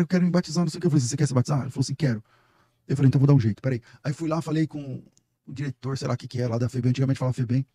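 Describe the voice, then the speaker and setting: Middle-aged Brazilian pastor as guest, quick and emphatic, warm husky tone. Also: male voice, a little high, no room sound, studio quality. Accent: Brazilian Portuguese. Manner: emphatic, storytelling, preacher-like. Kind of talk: casual podcast conversation.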